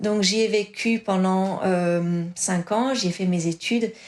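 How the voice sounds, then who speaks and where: Her voice is medium-pitched, and this woman keeps a fairly even intonation. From Switzerland, near Zurich (Swiss German area). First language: Swiss German (speaking French). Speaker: expatriate interviewee. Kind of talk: interview. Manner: hesitant, many fillers.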